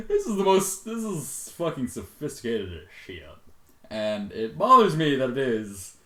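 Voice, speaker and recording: A man giving a dramatic reading with exasperated, sweary commentary and sudden loud outbursts. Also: a little high, huge pitch swings, slow, echoey room. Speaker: fan fiction reader and commentator.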